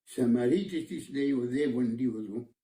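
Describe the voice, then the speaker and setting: An older man, a monastic elder, slowly retelling a parable with many repetitions in an interview, recorded in a roomy space from a distant mic. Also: medium pitch, dark tone. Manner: slow, repetitive storytelling.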